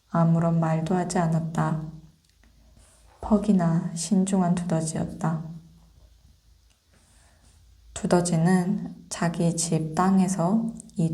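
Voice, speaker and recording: Slow, low-voiced woman reading in soft ASMR. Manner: slow, gentle, unhurried. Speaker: ASMR storyteller. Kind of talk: whispered ASMR fairy-tale reading.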